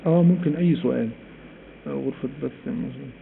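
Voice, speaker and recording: A man with an Egyptian accent teaching a live-streamed Quran recitation lesson, animated and repeating key points while quizzing his students. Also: medium pitch, fast, creaky. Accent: Egyptian Arabic. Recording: phone-like live stream audio with faint noise.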